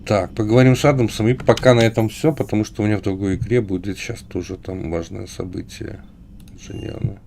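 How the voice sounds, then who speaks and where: A man's voice: lowish voice, fairly even intonation, fast, darkish tone, a little hiss or hum. A man casually commenting on his gameplay as a streamer, rambling with many fillers.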